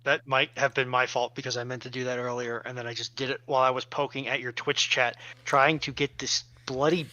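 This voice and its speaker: A man's voice: mid-range voice, level tone, fairly quick, few pauses, pushed and bright, no room sound. A man chatting casually as a livestream panellist, heard over slightly lo-fi voice-chat audio. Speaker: livestream panellist and tech helper.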